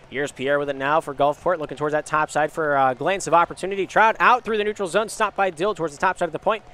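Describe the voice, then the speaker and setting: A young man doing live esports play-by-play, hoarse from a week of illness, his voice sometimes cracking, rising with energy on shots and goals. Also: fairly high pitch, fairly bright tone.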